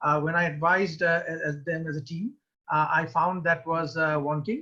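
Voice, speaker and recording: This man speaks in a high pitch with a Bengali accent. His tone is bright and sharp, and his intonation is fairly even. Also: moderate pace. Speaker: sports lawyer. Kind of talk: panel discussion. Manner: halting.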